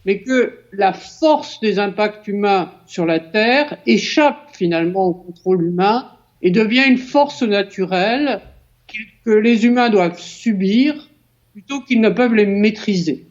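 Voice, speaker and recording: A woman's voice: mid-range voice, lively intonation. Woman philosopher explaining on a dull mic. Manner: measured explanation with small restarts. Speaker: philosopher guest. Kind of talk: answering in a panel debate. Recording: slightly dull lo-fi sound.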